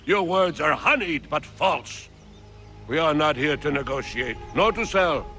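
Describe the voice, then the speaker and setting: A proud, defiant tribal spokesman in a game cutscene, grave and unyielding. His voice is bright and forceful, a touch higher than most, over light music. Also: animated, a little slow.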